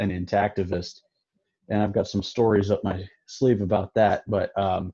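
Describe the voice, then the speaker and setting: At a moderate pace, a man talks in a fairly low, somewhat breathy voice with a dark, mellow tone. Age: 30s. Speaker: activist. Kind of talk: interview.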